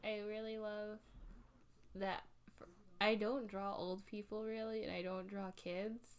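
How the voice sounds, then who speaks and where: A woman's voice: mid-range voice, flat delivery, measured pace, clear, resonant tone. A woman chatting playfully with a friend while drawing on a stream, teasing and laughing often. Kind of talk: casual drawing stream chat.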